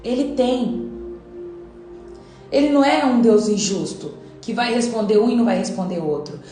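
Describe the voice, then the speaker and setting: A woman's voice: a little high, lively intonation, moderate pace, mellow, echoey room, faint music behind, low-quality recording. A woman giving an earnest devotional Bible teaching, acting out quoted voices as she preaches.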